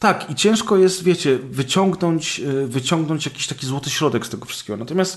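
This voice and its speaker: The speech moves at a fairly quick pace with lively intonation, over noticeable background noise. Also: man, fairly high pitch for a man, hardly any pauses. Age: 30s. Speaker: podcast guest, gamer. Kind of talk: casual chat.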